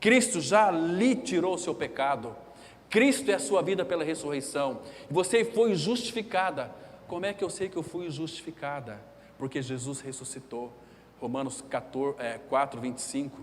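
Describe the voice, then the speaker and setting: A man with a Brazilian accent speaks at a fairly high pitch, with very wide pitch swings. The room echo is audible. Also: moderate pace. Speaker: pastor. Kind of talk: sermon. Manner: animated.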